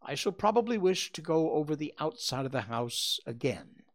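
A man reading aloud, voicing a calm, shrewd male detective who asks precise questions. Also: a little high, moderate pace, voice pushed up, close to an everyday voice. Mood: probing.

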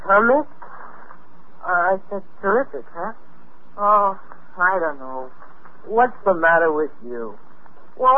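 A man's voice: high-pitched, breathy edge, heavily acted. A male actor playing an earnest, eager young boy adventurer in a 1950s radio drama, with boyish slangy talk. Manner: plain-spoken, boyish, slangy. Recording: thin, narrow vintage radio recording.

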